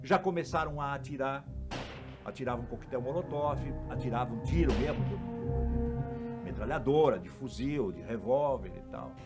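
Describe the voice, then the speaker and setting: A man's voice: medium pitch, normal speed, over music. A man recalling events in an earnest documentary interview, stressing his words. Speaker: interviewee, former student activist.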